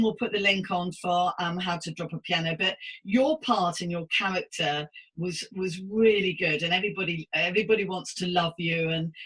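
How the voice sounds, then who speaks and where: A woman's voice: fairly low pitch, fairly bright tone, breathy edge, poor audio. A woman in her fifties hosting a casual interview, chatty, effusive and encouraging with her guest. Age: 50s. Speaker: podcast host interviewing a guest.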